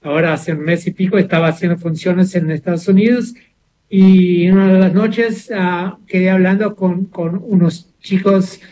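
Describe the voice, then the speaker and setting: A mature Brazilian man, a native Portuguese speaker whose Brazilian accent carries a touch of Buenos Aires Argentine, chats casually in an interview about his music. His voice is high and dark, with a steady tone at normal speed, and he searches for words as he talks.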